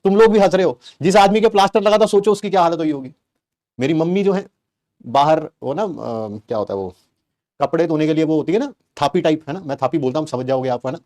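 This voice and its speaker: Animated high-voiced male teacher. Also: fast talker. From Delhi, India. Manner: animated, exaggerated storytelling with rhetorical questions. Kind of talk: comic personal anecdote told to a class.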